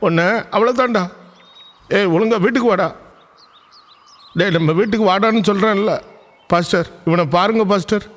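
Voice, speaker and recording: An actor gives an upset father who berates his son and vents to the pastor. His voice is high for a man. A long reverb hangs behind him. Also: normal speed, pauses often, fairly bright tone. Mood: agitated. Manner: agitated, scolding.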